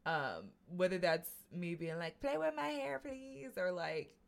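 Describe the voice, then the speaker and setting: A young woman co-hosting a casual chat, expressive and fond of acting out what people say. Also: on the low side, unhurried, vocal fry. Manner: expressive, acts out quotes. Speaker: podcast co-host.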